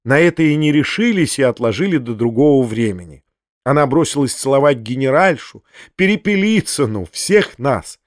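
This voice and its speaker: A man narrating a classic novel as an audiobook, in an expressive, measured reading. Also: mid-range voice, no room sound, clean studio sound.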